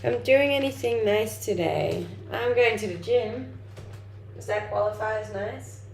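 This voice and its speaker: A young Danish woman, a native Danish speaker, livestreams in an unhurried, gravelly mid-range voice. As a content creator, she chats informally while reading and replying to viewer comments. The audio has a roomy echo and faint background noise.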